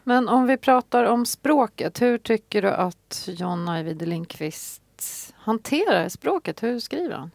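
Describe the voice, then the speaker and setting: A woman's voice: on the high side, lively intonation, vocal fry, hardly any pauses, dry recording. Composed woman hosting a book talk. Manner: composed, asks guiding questions. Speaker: host.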